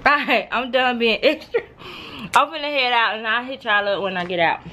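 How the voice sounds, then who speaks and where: A woman's voice: on the high side, brisk, sharp tone, slight background noise. A woman in her twenties vlogging casually to camera, chatty and unfiltered, filming on a handheld phone at home and then in her car. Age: 20s. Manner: chatty, unfiltered, talks straight to viewers. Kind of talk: casual vlog rant to camera.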